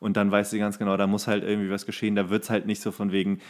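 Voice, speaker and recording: A man hosting a podcast, chatting casually about films in a rambling, halting way, searching for words. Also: on the low side, level tone. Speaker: podcast host. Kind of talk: casual film chat.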